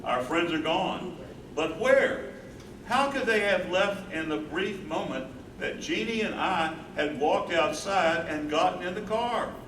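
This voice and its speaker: Staged reading: loving, troubled husband played by a male actor, higher-set voice, noisy roomy recording. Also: lively intonation, measured pace. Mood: haunted, reflective. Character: devoted husband and carer, loving, troubled, reflective. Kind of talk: staged reading, dramatic monologue. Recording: echoey distant stage recording, clear noise.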